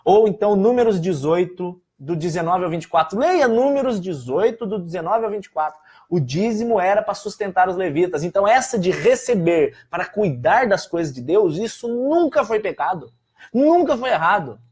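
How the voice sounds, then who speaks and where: A man's voice: high voice, moderate pace, slightly rough. A man, a pastor with a Brazilian Portuguese accent, talking casually and emphatically to his viewers. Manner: animated, emphatic, scolding.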